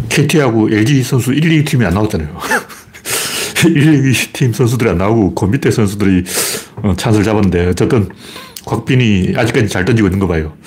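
A man's voice: fairly low pitch, darkish tone, slightly rough. A man with a Gyeongsang dialect hosting a casual livestream, greeting viewers and rambling through opinionated, mocking commentary. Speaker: livestream host.

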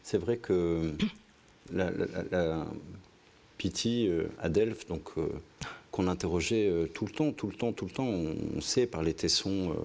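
Host, very deep mellow male voice, halting delivery. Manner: halting, searching for words, many fillers. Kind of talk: interview conversation.

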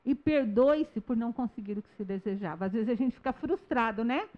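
Woman teacher addressing parents, soft patient delivery, slightly high voice, muffled recording. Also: expressive, brisk. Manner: gentle explaining tone, acts out dialogues with children. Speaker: early childhood teacher. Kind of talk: talk to parents on nonviolent communication. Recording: dull lo-fi sound.

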